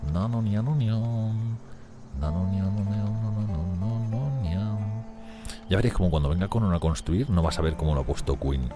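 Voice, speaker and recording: A man, casually commentating his game and talking to his characters as he plays. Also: extremely low pitch. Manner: chatty, talks to his characters. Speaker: gameplay youtuber.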